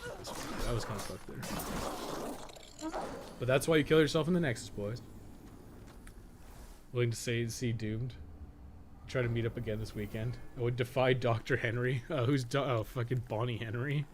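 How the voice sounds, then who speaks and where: A Canadian-accented man in his thirties hosts a gaming livestream, rambling casually while he plays. His mid-pitched voice moves at a normal speed with frequent pauses, and he talks colloquially and swears freely. Noticeable background noise is audible.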